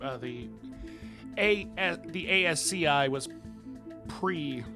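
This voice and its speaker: Male co-host, slightly higher voice, crude jokey asides, clear music in the background. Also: slow. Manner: joking, profane asides. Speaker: podcast co-host. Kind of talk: casual podcast banter.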